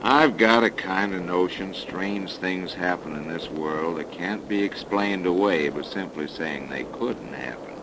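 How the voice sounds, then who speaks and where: An actor playing a calm, folksy investigator with a slow homespun drawl, in 1930s radio drama style. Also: male voice, low-pitched. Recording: noisy 1930s radio recording.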